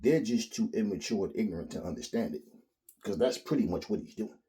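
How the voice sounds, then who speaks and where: A man, giving a blunt, profane, animated solo rant as a boxing commentary host. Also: lowish voice, fairly quick. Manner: blunt, profane, animated, mimics others in quotes.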